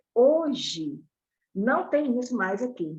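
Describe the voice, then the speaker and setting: A woman speaks with a dark, mellow tone. Her pitch is fairly high and her intonation lively. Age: 60s. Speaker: participant giving a testimony. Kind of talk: testimony. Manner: halting.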